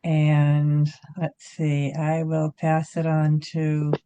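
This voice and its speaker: A woman's voice: deep voice, completely flat delivery, very slow, dark tone, lo-fi sound. A woman briefly introducing herself on a video call in a plain, straightforward way. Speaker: participant.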